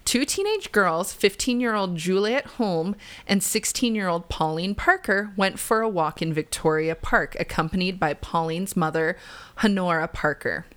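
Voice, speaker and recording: A woman's voice: lowish voice, normal speed, clear, resonant tone. A woman co-hosting a podcast, chatting and laughing easily as she tells a true crime case. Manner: chatty, laughs often, animated. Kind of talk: casual chat and storytelling.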